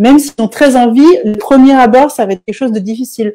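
Her tone is dark and mellow, with ordinary pitch variation. The woman talks at a fairly quick pace. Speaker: live co-host, wellbeing coach. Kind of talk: casual live-stream discussion. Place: home room. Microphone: earbuds.

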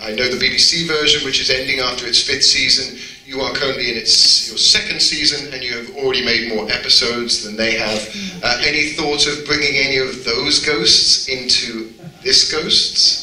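A man's medium-pitched voice at a moderate pace, with ordinary pitch variation, audible room echo and light background noise. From Britain. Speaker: interviewer. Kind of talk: posh, refined. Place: hall.

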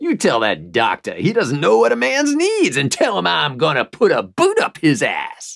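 A man growls through a put-on character voice at a moderate pace with hardly any pauses, the sound dry and close with no echo. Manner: growling.

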